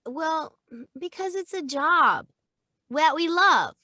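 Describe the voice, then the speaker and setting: An older woman, a voice actor, chatting about her work in an animated, laughing way from a recording booth. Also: sits high, takes it slowly, dry recording, studio quality. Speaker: voice actor guest. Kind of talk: casual interview chat. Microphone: studio microphone.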